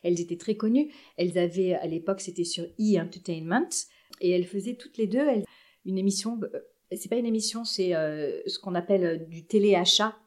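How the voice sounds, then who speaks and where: Podcast guest, woman, 40s, low-set voice, chatty and halting storyteller. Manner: chatty, hesitant, with many restarts. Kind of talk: casual anecdote telling.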